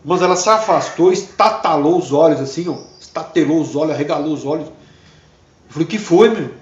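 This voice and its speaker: A male pastor preaches a fervent, emotional testimony in a fairly high voice. He sounds far from the mic, his words ring through a roomy, echoing space, and the recording is dull and muffled. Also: fairly quick. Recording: distant, echoey, dull.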